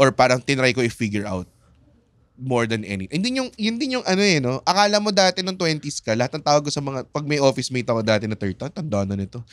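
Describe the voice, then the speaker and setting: A man's medium-pitched voice at a very fast pace, with very wide pitch swings, dry sound with no echo, and a quiet background. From Philippines. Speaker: comedian and podcast host; comedian, podcast host. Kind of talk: casual chat. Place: studio. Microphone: studio mic.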